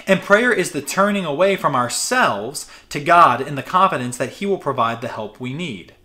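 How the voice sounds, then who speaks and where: Preaching to his congregation, this pastor sounds expressive, pushed and bright, his fairly high voice moving at a normal speed. He stays earnest and conversational, repeating words for emphasis and casually voicing imagined everyday prayers.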